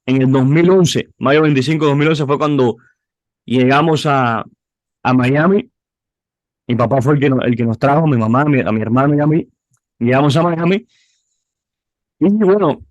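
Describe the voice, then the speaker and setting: A youth pastor in his twenties speaks with a Cuban accent, telling his story in a loose, conversational way full of restarts and repeated words. His voice sits a little on the high side for a man. The sound is dry and close, with no room echo. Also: darkish tone. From Cuba. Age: 20s. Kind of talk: personal testimony interview.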